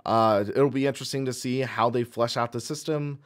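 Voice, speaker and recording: A man with a hoarse voice casually narrating a sim racing live stream, thinking aloud as he goes. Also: mid-range voice, fairly even intonation, fairly quick. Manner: chatty, thinks aloud while clicking menus.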